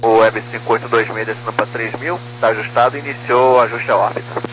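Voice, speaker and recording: A man's voice: medium pitch, steady tone, quick pace, a bit bright. A man speaking as a pilot in procedural phrases over a two-way aviation radio. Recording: humming, noisy aviation radio.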